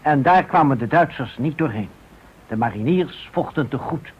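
A man's voice: medium pitch, expressive, normal speed. A man giving dramatic scripted narration for a radio play, in grave, clipped sentences. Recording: muffled old radio recording, clear noise.

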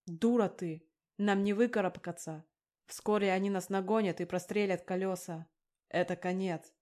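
A woman voicing a tough, wounded male gangster who speaks in curt, gruff lines in an audiobook. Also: mid-range voice, steady tone, moderate pace, a little mellow, natural voice. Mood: grim.

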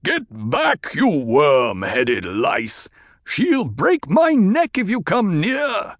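A man voicing a gruff, blustering desert tribal leader who bellows insults. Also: mid-range voice, wildly swooping pitch, measured pace, dry recording, studio quality, pitched above the performer's own voice, heavily acted. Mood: roaring.

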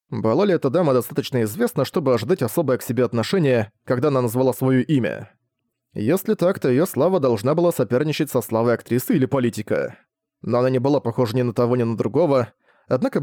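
A man narrating a novel with a mellow, warm tone and a measured, even delivery. He sounds close and dry, with no room around him. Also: mid-range voice, dry recording. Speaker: audiobook narrator. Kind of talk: reading a novel aloud.

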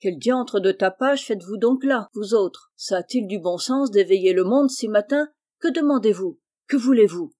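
A woman reading the part of a gruff, grey-haired, heavyset porter who grumbles and scolds. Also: medium pitch, moderate pace, hardly any pauses, dark tone, natural voice. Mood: grumbling.

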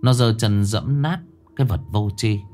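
A man narrating a horror story with a dramatic reading style, slowing down for suspense. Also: fairly low pitch, darkish tone, soft background music.

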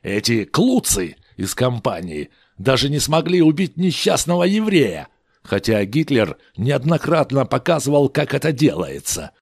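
A man's voice: mid-range voice, very animated, a little slow, vocal fry, husky, dry recording, clean studio sound, pitched above the performer's own voice, heavily acted. A man voicing an argumentative, sardonic old Jewish man in a storybook reading.

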